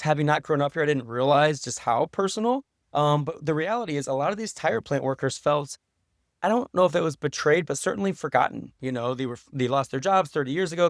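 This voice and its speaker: This is an American documentary director appearing as a podcast guest, his voice slightly high. In a conversational interview he explains things earnestly, storytelling the way a director might and repeating phrases for emphasis. The recording is fairly dry and close, with no echo.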